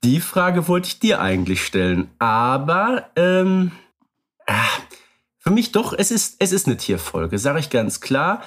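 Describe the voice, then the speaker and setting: A man co-hosting a podcast chats casually about radio plays, readily agreeing with and affirming his partner in a conversational way. His voice is a little high, sing-song, and fairly bright, at a measured pace.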